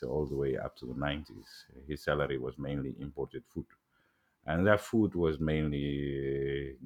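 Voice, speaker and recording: Middle-aged Somali-accented man, very deep voice, interview guest, halting with restarts. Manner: halting, many fillers and restarts. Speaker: guest, agriculture executive. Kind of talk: casual interview talk.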